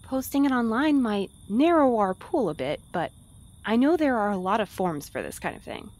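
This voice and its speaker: Woman playing a caring romantic courier, higher voice, very lively intonation, playful teasing, audio drama banter. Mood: assured. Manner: expressive, solicitous, quick to banter. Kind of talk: fiction podcast acting, naturalistic banter.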